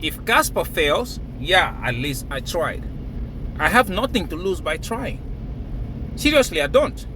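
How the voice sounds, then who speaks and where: A man's voice: on the high side, sing-song, measured pace, background noise. A man from Cameroon, raised in Nigeria, talking emphatically to camera and laughing between phrases. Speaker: crypto vlogger. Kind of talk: casual hype monologue to camera.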